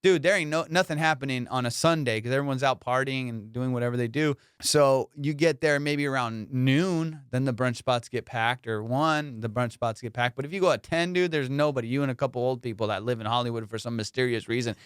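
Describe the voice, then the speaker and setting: Smooth-voiced man bantering on a podcast. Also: mid-range voice, a little fast, hardly any pauses, no echo, clean studio sound. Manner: slangy, profane, teasing banter. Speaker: comedian and podcast host. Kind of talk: casual comedic podcast chat.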